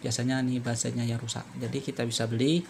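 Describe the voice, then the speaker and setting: Flat-toned man with gravelly creak. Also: mid-range voice, fast, a little hiss or hum. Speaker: phone repair tutorial presenter. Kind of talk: unscripted step-by-step tutorial narration.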